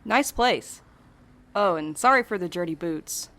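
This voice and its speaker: A woman's voice: fairly low pitch, lively intonation, unhurried, fairly bright tone. A woman playing a practical, caring friend in an audio drama, speaking naturally in a direct, matter-of-fact way. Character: practical, blunt, caring female rescuer and friend.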